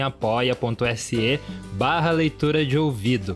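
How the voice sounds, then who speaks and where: A man with a Paraná accent and ordinary pitch variation, over music in the background. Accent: southern Brazilian, Paraná. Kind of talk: podcast host, friendly.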